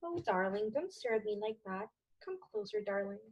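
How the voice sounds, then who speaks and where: A woman's voice: medium pitch, lively intonation, moderate pace, a little mellow, lo-fi sound, close to an everyday voice. A woman playing an anxious, seductive, manipulative femme fatale in a 1940s noir radio play, coy and dramatic in her delivery. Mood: weary, seductive. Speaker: voice actor.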